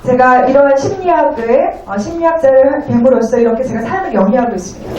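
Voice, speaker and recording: A woman interpreting a lecture phrase by phrase in a polite, formal, somewhat halting way. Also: sits high, expressive, warm tone, highs cut off. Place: echoey indoor venue. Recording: very echoey, distant room.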